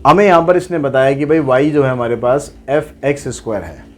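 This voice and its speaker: A man with a medium-pitched, brisk voice teaches a maths lesson, talking through problems step by step. He poses his own questions and then answers them aloud.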